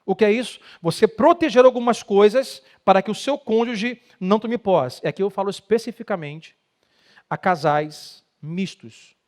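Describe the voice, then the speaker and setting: High-voiced Brazilian pastor preaching. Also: male voice, moderate pace, a little mellow. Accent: Brazilian Portuguese. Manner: emphatic preaching, acts out quoted spouses. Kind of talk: sermon talk on marriage.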